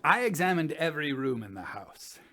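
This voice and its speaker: A man in his sixties playing a sober, methodical gentleman scientist, reading a formal report deliberately as a dramatic piece. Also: on the high side, big pitch swings. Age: 60s. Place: indoors, small study.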